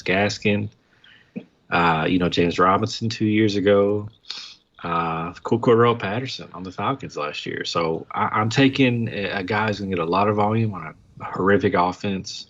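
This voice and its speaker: Low-voiced man on a lo-fi mic. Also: fairly bright tone. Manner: enthusiastic, analytical, lists examples. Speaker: podcast co-host. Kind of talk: casual sports podcast chat.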